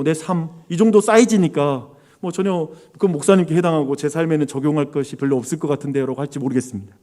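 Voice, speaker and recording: Lively, high-voiced male pastor preaching. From South Korea. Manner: earnest, asks the congregation questions and answers them himself; swings between loud emphasis and quiet, drawn-out phrases. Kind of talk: sermon.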